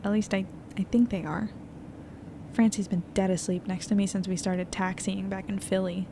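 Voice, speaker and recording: Actress playing young woman, creaky voice, anxious, weary, hesitant confiding monologue, audio drama, noisy plane cabin. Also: medium pitch, little pitch movement, normal speed, lightly acted. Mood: weary, restless. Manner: hesitant, confiding, thinking out loud. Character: anxious, weary young woman newspaper editor on a night flight. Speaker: lead narrator of an audio fiction podcast. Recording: noisy airplane cabin ambience.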